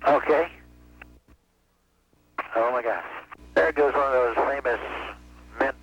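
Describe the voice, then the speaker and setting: A man, an astronaut speaking over a space-to-ground radio transmission, reporting in a halting way with many fillers and a dry joke now and then. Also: mid-range voice, slightly rough. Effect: muffled space-to-ground radio transmission. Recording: muffled radio link with faint hiss.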